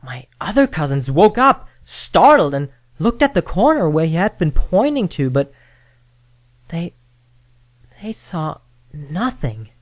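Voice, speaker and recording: Slow, low-voiced woman telling a scary story. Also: very animated, no echo. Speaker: horror story reader. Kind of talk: dramatic first-person scary story narration. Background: background music.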